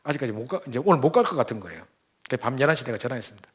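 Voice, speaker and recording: A young man preaching a sermon, telling a story full of quoted dialogue and quick restarts. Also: mid-range voice, expressive, husky. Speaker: preacher at a church training camp. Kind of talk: sermon with acted-out stories.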